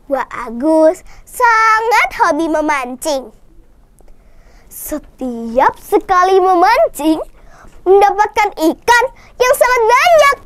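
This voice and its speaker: A young schoolgirl with a lilt tells a folk tale in a drawn-out, sing-song way. Her voice sits very high and she moves at an unhurried crawl. The recording is dry and close, with no room around her. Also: very animated, no echo. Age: child. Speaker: student storyteller. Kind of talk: storytelling with sung rhymes.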